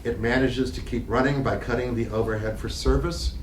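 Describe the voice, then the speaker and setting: A man reading stage directions aloud as narrator at a live play reading, in a measured, literary way. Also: mid-range voice, fairly even intonation. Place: library reading room. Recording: echoey room, distant mic, faint noise.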